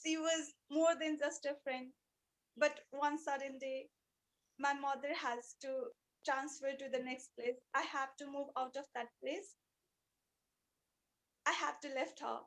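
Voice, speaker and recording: A woman who is a non-native English speaker, giving a rehearsed personal speech in an earnest, emotive way with deliberate repetition. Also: high voice, steady tone, fairly bright tone, poor audio. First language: not English. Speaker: speech club participant giving a practice speech.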